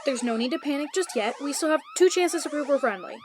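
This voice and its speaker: Woman as a high-voiced, decisive lady knight. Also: animated, quick pace, darkish tone, slight background noise. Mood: resolute. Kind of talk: scripted audio fiction acting.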